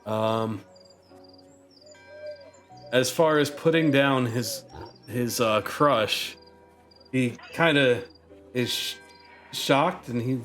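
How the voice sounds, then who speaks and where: A man's voice: mid-range voice, drawn-out words, long pauses, a bit bright, soft background music. A man narrating as game master of a tabletop game, hesitant, with many ums and uhs.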